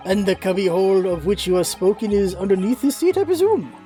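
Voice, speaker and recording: A man's voice: sits high, expressive, a little fast, dark tone, faint music behind. A man voicing a stern, formal courtroom judge in a video game. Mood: stern, questioning.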